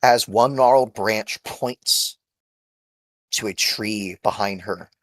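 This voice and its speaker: A man's voice: lowish voice, slow pace, no echo, low-quality recording. A man narrating a tabletop role-playing game as game master.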